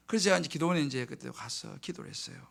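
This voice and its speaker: Animated, gravelly-voiced male pastor. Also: fairly high pitch, rapid-fire. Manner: animated storytelling, acts out prayers in hushed tones. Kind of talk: sermon with personal testimony. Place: church sanctuary.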